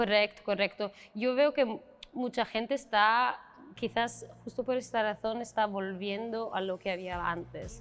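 In an Italian accent, a woman speaks at a fairly slow pace, her fairly high voice keeping fairly even intonation. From Italy. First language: Italian (speaking Spanish). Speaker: singer; interviewee. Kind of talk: interview. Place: hall.

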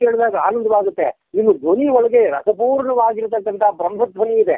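Against a quiet background, a man with a high pitch talks with lively intonation, the sound dry with no echo. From Mysore. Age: 80s+. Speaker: retired Kannada teacher. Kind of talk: phone conversation. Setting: phone line. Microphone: phone line.

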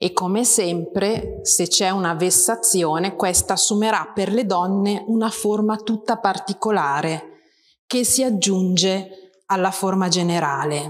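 Over a quiet background, a woman speaks at a fairly slow pace at medium pitch, with ordinary pitch variation and very even loudness. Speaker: novelist and economics journalist; economics journalist. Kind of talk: talk at a panel event. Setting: stage with audience. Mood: serious, measured. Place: hall. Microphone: handheld.

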